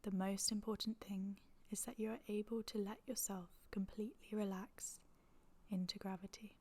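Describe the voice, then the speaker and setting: Soft, even-toned woman guiding meditation. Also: medium pitch. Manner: soft, breathy, near-whispered delivery; calm, soothing, gentle, with long pauses. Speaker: yoga nidra meditation guide. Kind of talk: guided meditation.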